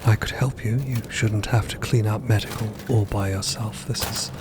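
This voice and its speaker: A man playing a calm, emotionally blank undead crew member in an audio drama, speaking in a flat, hesitant, neutral way. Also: lowish voice, normal speed, heavy background noise, natural voice. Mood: polite.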